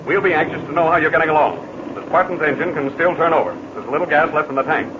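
Male actor: steady American captain in a 1940s radio adventure, rather high voice, quick orders, dull noisy recording. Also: lightly acted. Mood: brisk, instructing. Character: steady, commanding adult male pilot captain. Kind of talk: 1940s radio drama acting.

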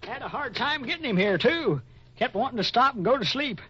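Squawky, high-pitched old cowhand. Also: male voice, expressive, brisk, bright, forceful tone, slightly rough, full character voice. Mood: eager. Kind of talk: 1950s radio Western acting. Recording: dull lo-fi old radio recording.

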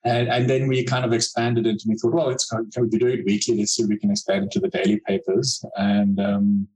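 Low-voiced hesitant man, interview guest. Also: flat delivery, a little fast, a little mellow, low-quality recording. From South Africa. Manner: hesitant, many fillers and restarts. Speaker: cartoonist guest. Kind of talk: casual interview.

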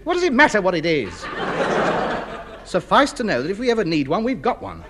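A 1950s radio sitcom's comedy lead plays a pompous, junk-hoarding middle-aged man full of bluster and grandiloquence. His high voice swoops wildly in pitch at a fairly quick pace. The old broadcast is noisy.

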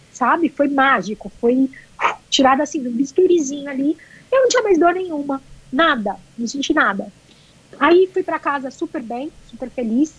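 A Brazilian woman with a Brazilian Portuguese accent and a high voice tells a personal story in an interview. She speaks emotionally and colloquially, repeats herself and swears now and then. The recording sounds dull and lo-fi. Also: darkish tone, breathy edge. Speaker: marathon runner.

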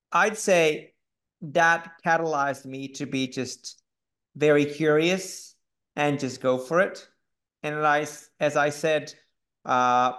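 A man in his fifties from Hungary, with a Hungarian accent, answering interview questions in a thoughtful, unhurried way with pauses. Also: mid-range voice. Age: 50s. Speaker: guest. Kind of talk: conversational interview.

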